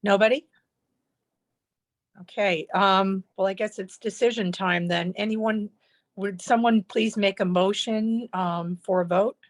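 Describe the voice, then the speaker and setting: A woman chairing a public committee meeting in a polite, brisk, procedural way. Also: mid-range voice, fairly even intonation.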